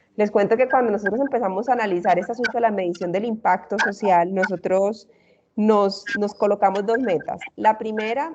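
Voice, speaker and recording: A woman talks at a fairly quick pace in a medium pitch with fairly even intonation. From Colombian Caribbean coast (Barranquilla). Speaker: social impact consultant. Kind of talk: workshop presentation. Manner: hesitant, many fillers and repetitions.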